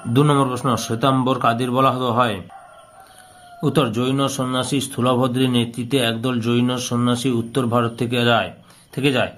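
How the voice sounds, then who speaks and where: A man's voice: medium pitch, little pitch movement, normal speed, fairly bright tone. A man teaching by reading out questions and answers, repeating phrases as if dictating. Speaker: history teacher solving an exam paper.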